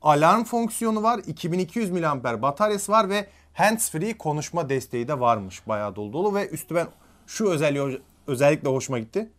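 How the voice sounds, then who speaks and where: A man's voice: a little high, fairly quick. Man reading specs off a box. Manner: relaxed, reads out specs from the box. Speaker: tech unboxing co-host. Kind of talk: casual unboxing chat.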